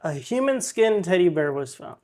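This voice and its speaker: Man, slightly higher voice, podcast host, casual news recap, relaxed with ums. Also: normal speed. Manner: relaxed, reads headlines with filler ums and uhs.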